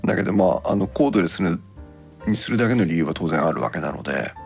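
A man's voice: deep voice, animated, quick pace, gravelly, darkish tone, faint music behind. A man hosting a podcast in casual chat about gadgets, thinking aloud and turning polite when addressing listeners. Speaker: podcast host.

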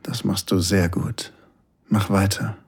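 Commanding tender lover, very low husky voice, murmured right in the ear, erotic audio drama. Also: male voice, fairly even intonation, slow, heavily acted. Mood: calm, reassuring. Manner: breathy, close-up murmur right in the ear, often near a whisper. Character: commanding, reassuring male lover, tender and desiring.

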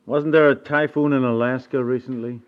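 An American man playing a sheepish, henpecked husband in a 1950s radio comedy, stammering and halting through domestic dialogue. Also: medium pitch, fairly even intonation, lightly acted. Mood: flustered, defensive. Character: sheepish, flustered, henpecked middle-class husband. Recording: dull vintage 1950s radio recording.

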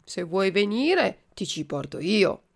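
A woman voicing a big, kindly talking pigeon in a storybook reading, calm and helpful. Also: mid-range voice, slow pace, gravelly, heavily acted.

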